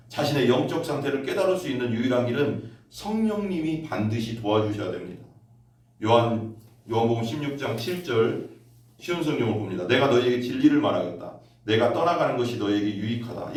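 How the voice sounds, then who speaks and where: A man pastor preaching a sermon, telling stories and quoting scripture, his voice climbing high when he gets excited. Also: heavy reverb, distant mic. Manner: storytelling, rises sharply in pitch when excited. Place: church sanctuary.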